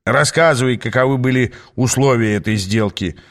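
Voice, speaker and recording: A man voicing a gruff, bossy, short-tempered demon mentor in an audiobook, barking his lines. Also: mid-range voice, moderate pace, a bit bright, close to an everyday voice. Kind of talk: audiobook reading.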